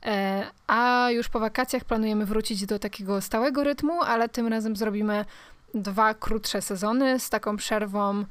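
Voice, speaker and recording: A woman's voice: mid-range voice, moderate pace, smooth, no echo. A woman co-hosting a podcast, chatting casually and directly to listeners. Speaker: podcast co-host.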